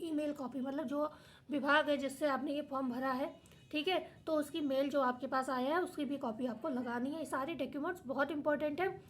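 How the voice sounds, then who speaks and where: A young woman with a tired, hoarse voice, hosting an education channel and going through an official notice point by point in plain words. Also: high-pitched, slight background noise. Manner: reads notice then explains in plain words. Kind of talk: explaining official notice to viewers.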